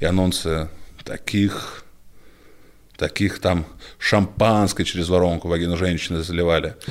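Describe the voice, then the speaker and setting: A man's very deep, low pitch carries his speech at a moderate pace. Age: 30s. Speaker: stand-up comedian. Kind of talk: casual chat.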